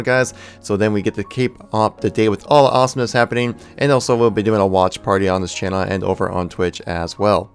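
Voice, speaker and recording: Male gaming channel host, fairly low pitch, informal and keen, light music underneath. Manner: enthusiastic, informal. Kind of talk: gaming news commentary.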